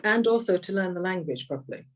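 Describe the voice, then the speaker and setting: A woman's voice: lowish voice, animated, fast, distant mic, low-quality recording. A middle-aged woman with an English accent tells personal stories conversationally, reflective and repeating phrases for emphasis. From Kenya, later rural England. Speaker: interview guest, executive coach.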